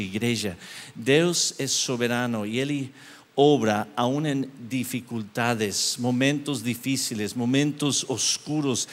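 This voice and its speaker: A man with an English-speaking accent preaching a sermon with storytelling, slow and emphatic, rising sharply when excited. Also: medium pitch. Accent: English-speaking, with Spanish mixed into his Portuguese. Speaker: guest preacher. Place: church hall. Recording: long church-hall reverb.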